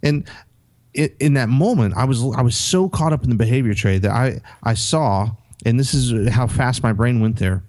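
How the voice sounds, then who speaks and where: A man's voice: mid-range voice, lively intonation, normal speed, darkish tone. A middle-aged man on a podcast, casually telling a story with many restarts and acted-out quotes. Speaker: podcast co-host.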